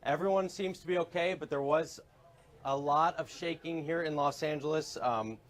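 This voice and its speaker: A man's voice: fairly high pitch, normal speed. A man working as a TV reporter, talking unscripted in a live news report.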